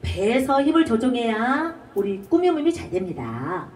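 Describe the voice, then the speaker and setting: High, lively-voiced woman singing teacher. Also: normal speed, distant mic. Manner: demonstrates lines by singing, belts short shouts. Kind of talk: trot singing lesson. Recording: echoey room, voice off-mic.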